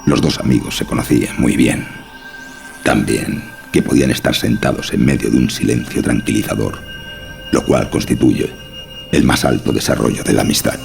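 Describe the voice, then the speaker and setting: A man's voice: a bass voice, fairly even intonation, moderate pace, gravelly. A man narrating a scripted horror story over music. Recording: music behind the voice.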